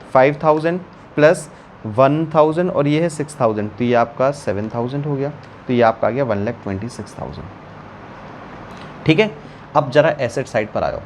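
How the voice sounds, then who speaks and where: A man's voice: mid-range voice, a little mellow, a little hiss or hum. A man teaching an online accountancy class, working sums aloud while writing and teasing his students. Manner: chatty, teasing, calls students beta.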